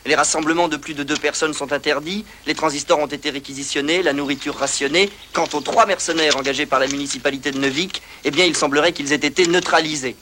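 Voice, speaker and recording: A man's voice: fairly high pitch, steady tone, fast, hardly any pauses, background noise, natural voice. A man playing an earnest news reporter delivering an on-location report in a film. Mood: grave, earnest.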